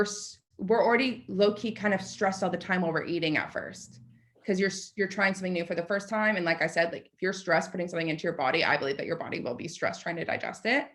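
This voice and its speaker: A woman in her late twenties, a podcast guest, telling a story in a chatty, animated way and filling her speech with "like.". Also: medium pitch. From United States. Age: 20s. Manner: chatty, animated, lots of "like" fillers. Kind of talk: casual storytelling.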